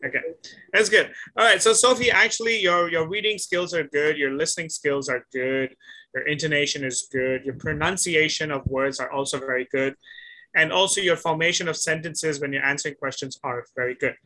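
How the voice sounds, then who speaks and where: Bright-voiced, encouraging male English tutor. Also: a little high, steady tone, brisk. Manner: patient, encouraging, repeats and corrects answers. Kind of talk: one-on-one online conversation lesson.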